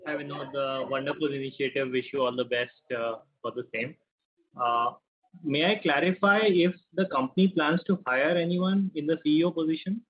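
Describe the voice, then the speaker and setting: A man's voice: a little high, moderate pace. A man speaking as a financial analyst, asking questions of company management on an earnings call. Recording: dull, lo-fi conference call line.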